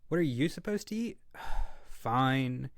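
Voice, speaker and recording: A man acting a gentle, doting young caretaker in a wholesome ASMR audio roleplay, speaking in a soft, reassuring way. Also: mid-range voice, lively intonation, slow, no room sound, studio quality. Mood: exasperated, sarcastic. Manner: soft, cooing, reassuring, slips into whispers.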